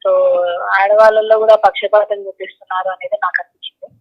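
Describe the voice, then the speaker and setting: Woman on a tinny phone call, talks really fast, kinda insistent, repeats herself. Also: medium pitch, level tone. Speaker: phone interviewee. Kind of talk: spontaneous phone interview answers. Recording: tinny telephone line.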